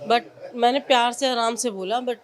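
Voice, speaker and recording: A woman talks through her experiences as a taxi driver, recounting each story in an animated way. Her voice sits a little on the high side, and she slips English phrases into her talk. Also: moderate pace. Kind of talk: casual interview chat.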